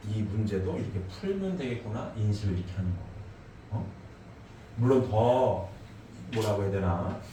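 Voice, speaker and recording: A middle-aged man preaches emphatically in a lowish, dark voice with lively intonation, a moderate pace, and frequent pauses. He questions his congregation and repeatedly tags "eh?", captured with a little hiss or hum in an echoey hall with faint ambience.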